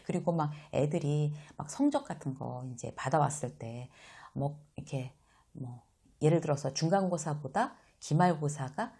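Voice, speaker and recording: A middle-aged woman giving a casual lecture on life and work, lively and exclamatory, acting out what people say. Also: low voice, creaky, slightly rough. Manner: lively, exclamatory, acts out quoted dialogue.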